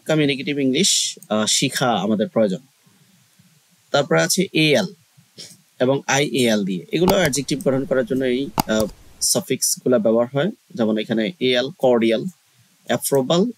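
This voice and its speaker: A man's voice: mid-range voice, no room sound, poor audio. A man giving a casual English lesson, explaining step by step with frequent hesitations. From Bangladesh. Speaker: online English tutor.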